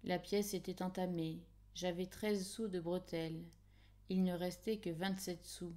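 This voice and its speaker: A woman's voice: fairly low pitch, level tone, a little slow, warm tone. A woman reading a literary audiobook as a scripted first-person narration.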